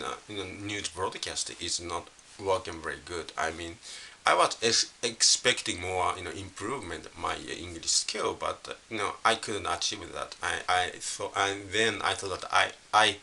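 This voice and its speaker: A middle-aged man from Japan with a Japanese accent, a native Japanese speaker, talking casually and unscripted to camera in a halting, repetitive way full of filler phrases. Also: low-pitched, gravelly, sharp tone. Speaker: language learner vlogger. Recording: hissy recording with faint background noise.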